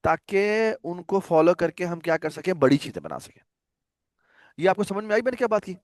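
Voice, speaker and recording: A man's voice: high-pitched, sing-song, fairly quick, dry recording, clean studio sound. A man teaching a programming class on a video call, talking casually and often asking students whether they follow. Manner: conversational, checks understanding with frequent questions. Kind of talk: casual online lecture.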